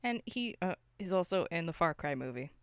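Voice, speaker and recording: A podcast host chatting casually about films and games in an animated, self-interrupting way with some mild swearing. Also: medium pitch, a little fast, clean tone, dry recording, clean studio sound. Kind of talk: casual film and game discussion.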